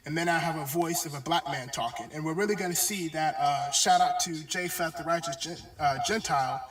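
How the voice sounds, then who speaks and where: Brief: male bible teacher, hesitant delivery with frequent fillers, roomy echoey distant sound. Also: fairly high pitch. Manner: halting, many pauses and fillers. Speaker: religious teacher. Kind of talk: bible lesson video. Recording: echoey, distant video playback.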